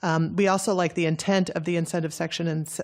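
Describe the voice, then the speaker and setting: A woman's voice: fairly low pitch, level tone, fast. A woman with a Midwestern accent testifying at a legislative hearing, casual and joking, with many fillers. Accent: Midwestern American. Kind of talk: public testimony.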